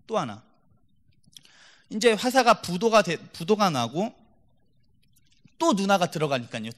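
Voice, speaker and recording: A man preaching a sermon in church, telling stories with lively, acted-out voices and dropping from loud to hushed. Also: on the high side. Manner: animated storytelling, acts out quoted voices, swings from loud to hushed.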